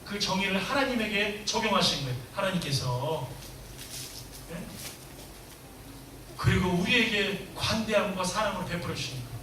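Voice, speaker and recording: A man's voice: high voice, animated, moderate pace, pauses often, bright, forceful tone. A man preaching a sermon in a church, emphatic and asking his congregation questions. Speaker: pastor. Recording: echoey hall, distant mic, faint hiss.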